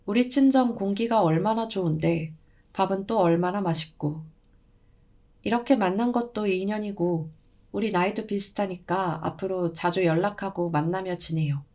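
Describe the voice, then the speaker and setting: A woman's voice: mid-range voice, darkish tone, lightly acted. A woman voicing a talkative middle-aged mother who speaks in a friendly, coaxing way.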